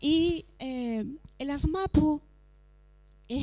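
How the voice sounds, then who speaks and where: A woman with a high pitch speaks in a dark, mellow tone. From Chile, Mapuche community. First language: Mapudungun (speaking Spanish). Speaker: professor. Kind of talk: conference talk.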